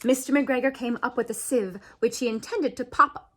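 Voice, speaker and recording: A woman reading a children's story aloud as an animated narration, expressive, with dramatic swoops and pauses. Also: fairly high pitch, slight background noise. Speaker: storybook reader.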